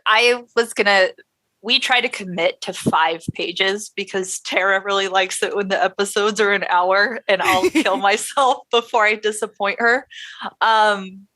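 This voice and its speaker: A young woman co-hosting a casual podcast chat, with a nasal, congested voice and an animated, joking manner. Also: mid-range voice. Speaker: podcast co-host.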